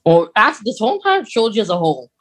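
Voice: medium pitch, big pitch swings, racing, a bit bright. A podcast co-host in a casual, conversational fan discussion.

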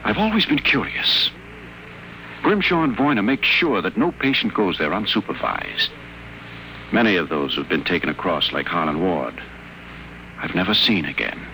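An actor playing a wry, wary sanitarium patient with a dry, articulate delivery in a 1950s radio drama. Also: male voice, low-pitched, sing-song, moderate pace, long pauses, sharp tone, heavily acted, rough recording. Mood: grave, confiding. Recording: old 1950 radio broadcast, faint noise.

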